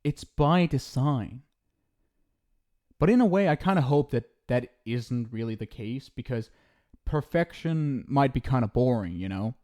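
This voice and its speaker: A man's voice: mid-range voice, lively intonation, unhurried, a little mellow, close to an everyday voice. A man playing an affectionate, centuries-old ghost soulmate in an intimate ASMR roleplay, speaking casually and hesitantly. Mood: tender, reassuring. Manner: casual, hesitant, tender, reassuring.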